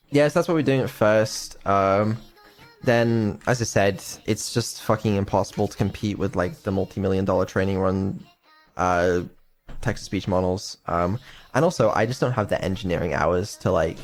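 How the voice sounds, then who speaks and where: A man's voice: on the low side, moderate pace. A man giving a casual live stream update as a developer, rambling and hesitant with many ums and offhand swearing.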